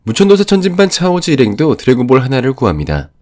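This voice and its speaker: A man's voice: medium pitch, wildly swooping pitch, fast talker, darkish tone, a little hiss or hum. A man giving scripted narration for an anime story recap.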